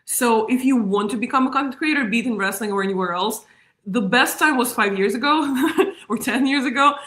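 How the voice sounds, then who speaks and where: A woman in her thirties with a Russian accent, a guest in a casual interview, talking with animated energy and frequent laughs. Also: on the high side, fairly quick, roomy sound. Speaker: guest, media strategist.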